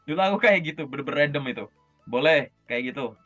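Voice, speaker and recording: A man coaching job interview skills in a casual, lively session over a video call, often checking in with his listener. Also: fairly high pitch, fast, soft background music. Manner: lively, chatty, often checks in with "oke?" and "gitu".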